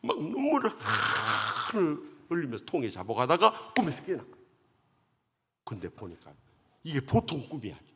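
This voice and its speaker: A middle-aged male guest preacher telling a story in an emotional revival sermon, dramatic and swinging from hushed to loud, heard with long church hall reverb. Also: medium pitch, wildly swooping pitch, normal speed, breathy edge. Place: large church sanctuary.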